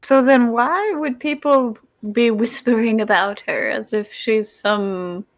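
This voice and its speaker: A woman takes part in a tabletop role-playing game as a player. Her voice is a bit high, and she speaks casually in character, posing questions. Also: slow.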